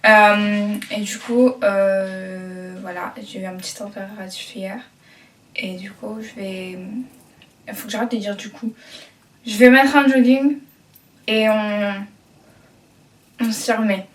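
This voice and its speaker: A woman's voice: medium pitch, fairly even intonation, slow, long pauses, distant mic. A woman vlogging casually as she tidies her bedroom, chatty, rambling and poking fun at herself. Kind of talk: casual vlog chat while tidying. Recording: echoey room, voice from off-mic, faint background clatter.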